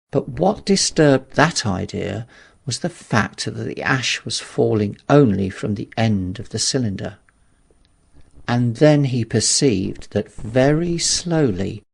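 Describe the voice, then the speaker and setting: A man narrating a literary audiobook in a measured, dramatic storytelling manner. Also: medium pitch, gravelly, husky.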